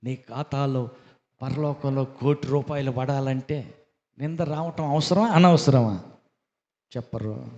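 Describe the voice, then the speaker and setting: A man's voice: mid-range voice, slow pace, pauses often, mellow. Male pastor giving a sermon, exhorting the congregation, muffled roomy recording. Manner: exhorting, calls for hallelujahs from the congregation; rhetorical questions, repeats phrases. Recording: dull echoey hall recording.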